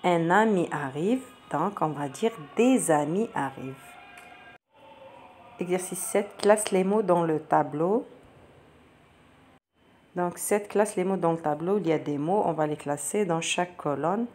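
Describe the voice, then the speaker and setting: A woman's voice: on the low side, unhurried, pauses often, darkish tone. Patient woman explaining schoolwork. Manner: patient, repeats questions and answers step by step. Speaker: teacher going over a practice exam. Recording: faint background noise.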